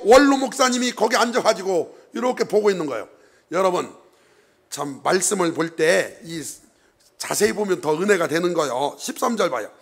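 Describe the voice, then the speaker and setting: A male pastor preaches a lively sermon, often stopping to ask his congregation questions. His voice sits high and has a gravelly, husky edge. He swings between loud emphasis and quiet asides. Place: church.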